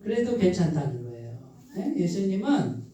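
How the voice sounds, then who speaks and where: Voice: mid-range voice, very animated, recorded from a distance. Pastor preaching in an echoey church hall. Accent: Chungcheong Korean. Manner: asks the congregation questions and answers them; repeats key phrases slowly and softly for emphasis. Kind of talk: midweek sermon. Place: church sanctuary.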